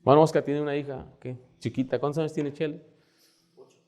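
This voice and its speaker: A man's voice: fairly high pitch, fairly even intonation, fast talker. A middle-aged man preaching a sermon in a church as pastor, quoting scripture and dropping to a near whisper. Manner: preaching with sudden loud-soft shifts, dropping to near whisper; quotes scripture and acts out worried voices.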